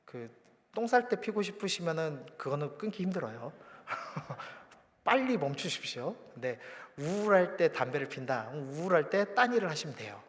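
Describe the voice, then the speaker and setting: Male pastor, 30s, conversational preaching with a lively, slightly high voice in an echoing sanctuary. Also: normal speed. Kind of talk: sermon. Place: church sanctuary. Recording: reverberant church hall.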